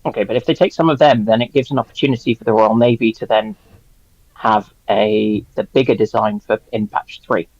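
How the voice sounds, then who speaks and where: A man's voice: lowish voice, fairly even intonation, a little fast, darkish tone, no room sound. A man chatting casually as a panelist in a discussion, recorded with slightly dull, lo-fi sound.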